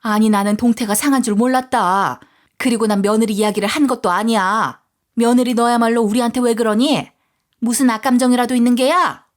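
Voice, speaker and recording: A woman's voice: fairly high pitch, steady tone, brisk, close to an everyday voice. A woman voicing a harsh, scornful older mother-in-law in a story reading, speaking in curt, scolding phrases. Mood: sneering.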